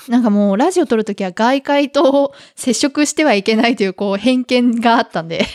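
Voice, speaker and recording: At a fairly quick pace, a woman with a high pitch speaks with lively intonation in a dry, close sound with no echo. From Japan. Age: 20s. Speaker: podcast co-host. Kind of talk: casual chat. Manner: casual, laughing often.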